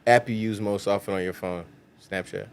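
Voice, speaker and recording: A man's voice: fairly low pitch, fairly even intonation, moderate pace, creaky, clear, resonant tone. A man hosting a podcast, asking short casual questions and affirming the guest briefly. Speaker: podcast host.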